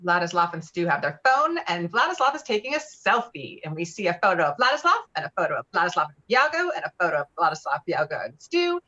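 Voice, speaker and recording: Table-read narrator: female, animated intonation, reads scene directions, dull lo-fi recording. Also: fairly low pitch, fast talker, few pauses. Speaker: stage-direction reader. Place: remote video-call reading. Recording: dull, lo-fi video-call audio.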